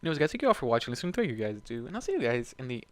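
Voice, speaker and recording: A man's voice: medium pitch, big pitch swings, rapid-fire, no echo, faint music behind. A man reading a story aloud dramatically as a channel host, emotionally invested and dropping casual, profane reactions. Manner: emotionally invested, exasperated asides. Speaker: fan fiction reader and channel host.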